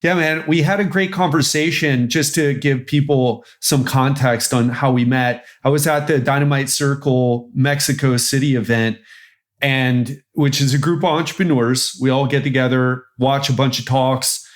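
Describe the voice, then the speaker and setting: A man's voice: medium pitch, fairly even intonation, moderate pace. A man hosting a podcast, introducing his guest in an upbeat, enthusiastic way. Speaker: podcast host. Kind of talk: podcast interview.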